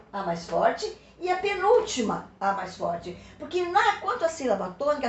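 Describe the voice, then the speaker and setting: A Brazilian woman teacher with a somewhat high voice leads a recorded remote lesson, patient and encouraging. She draws example words out slowly and keeps checking in with short questions. The room around her sounds roomy and echoey. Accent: Brazilian Portuguese.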